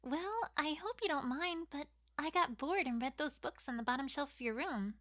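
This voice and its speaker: A woman voicing a polite, clever young pony character in an amateur fan fiction reading, recorded quietly. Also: high voice, animated, moderate pace. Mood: sheepish. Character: bright, polite young adult female pony turned roommate.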